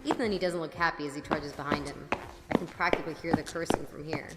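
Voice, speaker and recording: A woman's voice: sits low, fairly even intonation, fast talker, very noisy, lightly acted. A woman playing a wry, weary student who narrates an audio drama in informal, slangy language. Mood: wry narration. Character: sardonic, weary female student narrating her adventures. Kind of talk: audio drama acting and first-person narration. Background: loud music.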